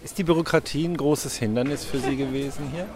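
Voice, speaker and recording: A man's voice: mid-range voice, fast talker, crowd noise. A man asks interview questions, sounding slightly away from the microphone.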